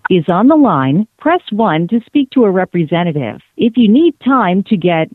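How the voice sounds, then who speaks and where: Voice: medium pitch, big pitch swings, normal speed, no room sound. An automated phone menu voice made of recorded prompt words spliced together, with a stiff announcer delivery. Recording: tinny phone line.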